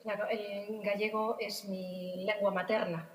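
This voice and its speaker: A woman's voice: medium pitch, little pitch movement, slight background noise. Earnest woman poet in an echoey hall. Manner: earnest, quick bursts, tag questions. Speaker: poet on a panel. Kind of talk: panel discussion. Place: large hall with long reverb.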